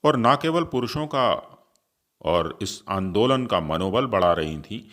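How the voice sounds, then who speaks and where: A male storyteller who hosts his own channel and reads in a formal, literary style. His voice is very low and his pace unhurried and steady. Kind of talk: scripted story narration.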